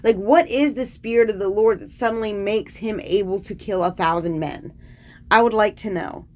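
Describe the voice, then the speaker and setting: A woman's voice: mid-range voice, moderate pace. A young woman hosting a casual scripture commentary, chatty and sarcastic, filling her talk with "like.". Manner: chatty and sarcastic, heavy use of "like". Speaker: host.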